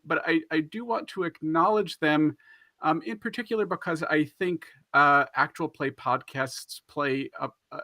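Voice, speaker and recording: A man's voice: on the high side, bright, forceful tone, no room sound. A man moderating a panel discussion, introducing guests and choosing his words carefully with some hesitation.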